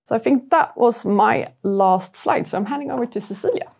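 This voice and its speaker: A woman's voice: a little high, moderate pace, creaky, a little mellow. A woman giving a corporate earnings presentation as chief executive, searching for words as she goes.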